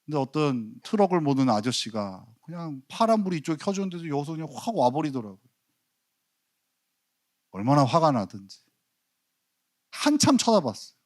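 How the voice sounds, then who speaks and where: A male pastor in his forties delivering a Sunday sermon in a church. His voice sits a little high and swings widely in pitch as he tells stories. He slips into quoted voices and pokes fun at himself. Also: moderate pace, pauses often. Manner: storytelling with lively quoted voices and self-mocking humor. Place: church sanctuary.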